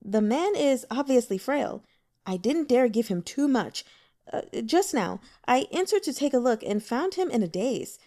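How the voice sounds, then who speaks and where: A woman voicing an earnest, anxious young male subordinate who speaks in a hurried, pleading way. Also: fairly high pitch, very animated, dark tone.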